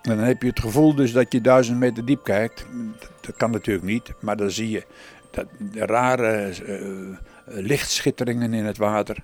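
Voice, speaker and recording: A man who sailed alone, speaking slowly and thoughtfully with pauses in a reflective documentary interview. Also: lowish voice, fairly even intonation, darkish tone, faint music behind. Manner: slow, thoughtful, with pauses and hesitations. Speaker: solo sailor.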